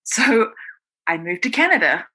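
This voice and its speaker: Bright-voiced New Zealand woman. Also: medium pitch, big pitch swings, unhurried, slightly rough, poor audio. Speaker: guest, writer. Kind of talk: conversational personal storytelling in an interview.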